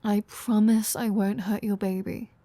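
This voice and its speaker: A woman acts out a flirty female vampire, an unrepentant predator in an intimate audio roleplay. She talks slowly in a mellow, relaxed voice, teasing and sardonic with plenty of swearing. The sound is close and dry. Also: medium pitch, no room sound, lightly acted. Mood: teasing, casual. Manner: teasing, sardonic, foul-mouthed.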